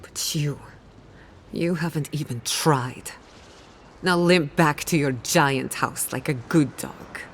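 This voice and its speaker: An actress playing a proud, sharp-tongued outcast woman scholar in dramatic video game dialogue, articulate, assertive and wry. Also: low voice, takes it slowly, slight background noise. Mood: defiant, bitter.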